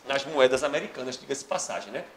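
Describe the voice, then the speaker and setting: Teaching a history class, a man launches into a comic anecdote and animatedly acts out the other characters' voices. His mid-range voice moves at a quick pace over heavy background noise.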